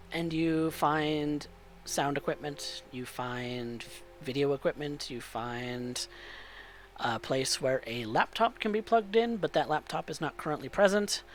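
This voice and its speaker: A man narrating a tabletop roleplaying game as game master, improvising in a halting way. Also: mid-range voice, slight background noise.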